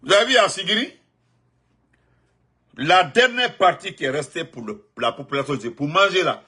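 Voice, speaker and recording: Husky, emphatic Guinean French man. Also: on the high side, lively intonation, moderate pace. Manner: emphatic, repetitive, swings between loud outbursts and muttered asides. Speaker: political commentator. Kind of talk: spontaneous political commentary.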